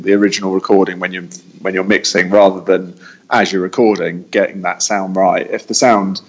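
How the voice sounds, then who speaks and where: A man hosting a casual technical podcast, talking in a conversational, explanatory way from an echoey meeting room. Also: low voice. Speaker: podcast host and audio engineer.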